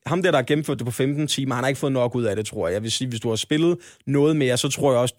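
A man's voice: medium pitch, dry recording. A man talks through games he has played in a loose, joking way, acting out quotes as he goes. His voice sits in a middle range, and the recording is dry with no room sound. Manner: animated, jokey, acts out quotes with laughs. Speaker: podcast host. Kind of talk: casual chat about video games.

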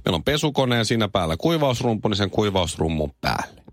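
A man in his thirties hosting a morning radio show. He reads the news and tells animated stories. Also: lowish voice, no echo, studio quality. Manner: animated storyteller.

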